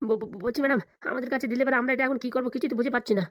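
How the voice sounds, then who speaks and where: A woman's voice: high-pitched, fairly even intonation, very fast, close to an everyday voice. A woman voicing a deferential, flustered police officer in a comedy cartoon, hesitant and placating.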